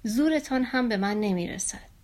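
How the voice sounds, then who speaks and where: A woman's voice: on the high side, lively intonation, darkish tone, close to an everyday voice. A woman voicing a brave, defiant little black fish in a storybook reading. The fish speaks firmly and scolds the others. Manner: firm, scolding.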